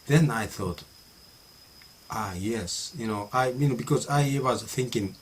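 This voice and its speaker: A middle-aged Japanese man speaking English as a second language in a casual monologue. His speech is halting, full of fillers and restarts. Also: medium pitch, a little hiss or hum. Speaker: vlogger practicing English.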